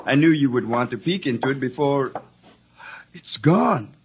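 An actor playing a sly hotel man who speaks in measured, wry, formal phrases in a vintage radio drama. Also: mid-range voice, animated, dull audio, slight background noise, close to an everyday voice. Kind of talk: 1950s radio drama acting. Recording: vintage 1950s radio recording.

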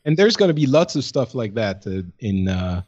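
Mid-pitched man on a slightly dull recording. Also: very animated, normal speed, a little mellow. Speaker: podcast co-host. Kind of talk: casual gaming podcast chat.

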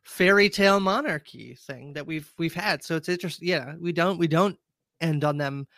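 A man in his thirties with a slightly high, bright, forward voice, recorded close and dry. He co-hosts a casual podcast, relaxed and a little hesitant, often trailing off into "yeah". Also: moderate pace, dry recording. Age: 30s. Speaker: podcast co-host. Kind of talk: casual chat.

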